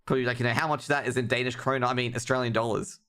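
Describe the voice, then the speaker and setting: A man's voice: medium pitch, fairly even intonation, rapid-fire, pushed and bright. A man doing casual, jokey live commentary on an esports match and chatting informally with his viewers. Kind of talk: casual live game commentary with chat banter. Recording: clear background noise with clicks.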